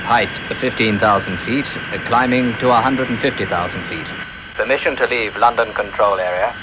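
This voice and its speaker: A man's voice: fairly low pitch, normal speed, lo-fi sound, heavy background noise. An actor playing a male airliner pilot who speaks in clipped radio procedure from the cockpit, his voice heard as a radio transmission. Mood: businesslike. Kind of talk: 1960s TV drama radio dialogue.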